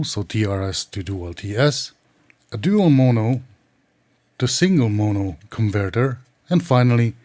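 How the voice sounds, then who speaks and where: A man's voice: fairly low pitch, darkish tone, no room sound. A man narrating an instructional tech tutorial in a methodical, precise, explanatory way. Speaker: tech reviewer and tutorial presenter.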